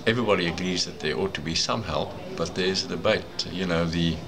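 Older South African man, low and measured. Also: crowd noise. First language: Afrikaans. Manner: measured, thoughtful, deliberate. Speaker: advocate being interviewed. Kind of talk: interview answers. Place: indoor room, seated. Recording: noisy room ambience.

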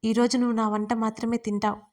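A woman voicing a lively, playful young wife who talks in an excited, bubbly way. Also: a little high, fast talker, lightly acted. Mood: excited, affectionate.

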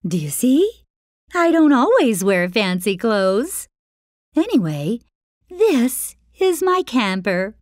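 A woman hosting a children's story, telling it in an animated, playful way. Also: a little high, takes it slowly, no echo, clean studio sound.

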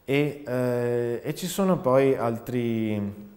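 A man in his thirties explaining his artistic work in an interview, thoughtful and halting as he searches for words. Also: mid-range voice, darkish tone. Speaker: theatre and sound artist. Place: seated in a dark studio, indoors. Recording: echoey room with reverb.

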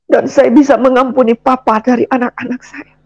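Middle-aged indonesian woman telling her testimony, gravelly voice, dry close sound, earnest. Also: high-pitched, fairly even intonation, a little fast, darkish tone, no echo, rough recording. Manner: earnest, keeps addressing listeners as brothers and sisters. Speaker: guest giving a testimony. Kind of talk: personal testimony in church.

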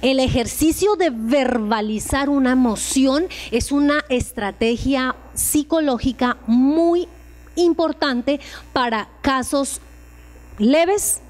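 A woman's voice: high voice, slow pace. A Colombian woman giving an informal talk on emotional support to tutors, asking her listeners direct questions and acting out short dialogues. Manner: acts out short dialogues in changed voices.

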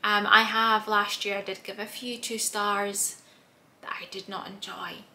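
Young woman, bright voice, a bit hoarse, rambly book chat in a little room with faint hiss. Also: mid-range voice, little pitch movement, a little slow. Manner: chatty, rambling, many fillers and restarts. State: slightly hoarse, clearing throat. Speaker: book vlogger. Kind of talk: casual chat to camera. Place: small room with bookshelves, indoors.

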